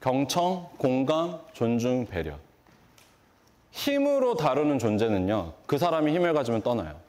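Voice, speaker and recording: A man giving a motivational lecture on stage, throwing rhetorical questions at the audience and answering them himself. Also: moderate pace. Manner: lively, swooping delivery with sudden pitch jumps. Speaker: hairdressing instructor and brand owner. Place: large conference stage before an audience.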